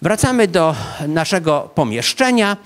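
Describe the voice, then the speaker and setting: A psychology professor in his fifties gives a public lecture to a seated audience in an ornate hall, talking through a scene as a vivid story into a handheld microphone. He hesitates often with fillers. His high voice has big pitch swings and a measured pace.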